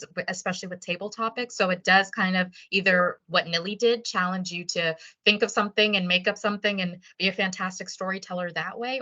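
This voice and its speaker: Upbeat woman running a video call meeting, bright tense voice, kinda muffled audio. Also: on the low side. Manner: upbeat and encouraging. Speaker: meeting host. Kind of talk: casual online meeting chat.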